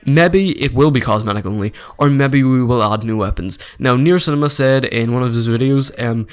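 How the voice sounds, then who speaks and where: Gaming vlog host, male, sore-throated, middle-pitched voice; opinionated and rambling, plenty of "like" and "honestly". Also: a little fast, clear, resonant tone. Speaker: gaming YouTuber. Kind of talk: casual opinion vlog over gameplay.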